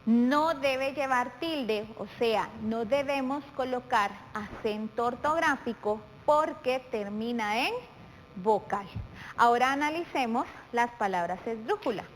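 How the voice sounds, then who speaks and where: A middle-aged woman teaching a televised primary-school lesson, patient and deliberate, drawing out words syllable by syllable. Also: on the high side. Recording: faint reverb and light background noise.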